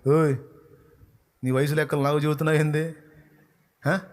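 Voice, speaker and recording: A male pastor preaching a sermon emphatically, swinging between loud rebukes and low, earnest tones. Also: level tone, moderate pace.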